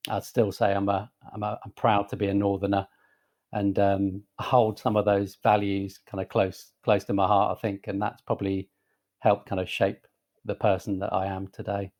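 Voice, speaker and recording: A man in his forties with a softened northern English accent, a guest talking casually in a podcast interview, relaxed and hesitant, with many fillers and restarts. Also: lowish voice, normal speed. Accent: Northern English, softened by southern England. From northern England. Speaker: guest, creative director.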